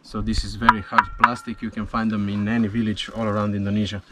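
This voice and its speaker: A man's voice: lowish voice, little pitch movement, fast talker, heavy background noise. A man in his thirties, an English speaker, explaining his spearfishing gear to the camera from a small boat out at sea, patient, with small grammar slips. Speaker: spearfishing vlogger. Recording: music underneath.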